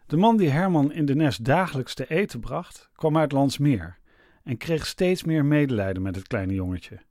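A man narrating a podcast in a measured, scripted storytelling delivery. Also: a little high, lively intonation, warm tone, no echo, studio quality.

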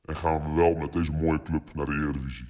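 A former footballer telling a recorded anecdote in measured, dramatic storytelling, his voice disguised by a voice changer that makes it very deep. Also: flat delivery, darkish tone. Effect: voice changer making the voice very deep.

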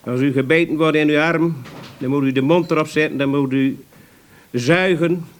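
A man voicing a glib country doctor who gives absurd advice in a joke, in a brisk, pointed way. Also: fairly high pitch, fairly even intonation, pitched below the performer's own voice, natural voice. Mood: mock-serious.

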